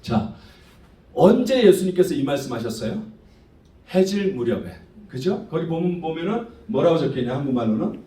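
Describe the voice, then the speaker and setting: A male pastor, a 1.5-generation Korean diaspora immigrant, delivers an animated sermon at a moderate pace in a voice on the high side. He mixes English words and phrases into his Korean and puts rhetorical questions to the congregation. The recording sounds roomy, from a distant microphone.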